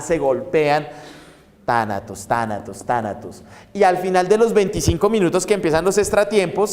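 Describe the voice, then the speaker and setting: A man's voice: on the high side, darkish tone. A man giving a university psychology lecture, acting out inner voices and asking rhetorical questions. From Colombia. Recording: reverberant hall recording.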